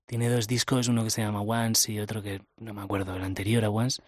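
A man's voice: lowish voice, level tone, brisk, no echo, clean studio sound. A man with a Castilian Spanish accent chatting casually as a musician being interviewed. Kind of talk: casual chat.

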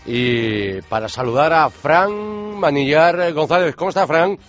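A man's voice: on the high side, expressive, measured pace, soft background music. A man with a Castilian Spanish accent hosting a radio chat, his voice nasal and stuffed up with a cold. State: has a heavy cold. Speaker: radio show host. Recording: slightly dull, roomy radio audio.

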